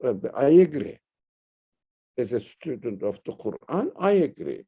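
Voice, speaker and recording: A man from Turkey, teaching religion in a discussion, halting and searching for words, then rising sharply to stress key points. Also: medium pitch, very animated, mellow, breathy edge. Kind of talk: lecture-style discussion.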